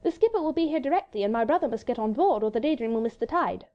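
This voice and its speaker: A witty noblewoman from a storybook, coquettish and sarcastic, her voice pitched up high and bright with mischief, read by a woman. She teases in an arch, old-fashioned way. The sound is slightly dull. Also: animated, rapid-fire, close to an everyday voice. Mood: brisk.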